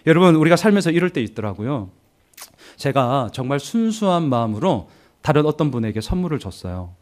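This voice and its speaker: A male pastor preaching a sermon in an animated way, acting out the voices of others. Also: medium pitch, a little fast.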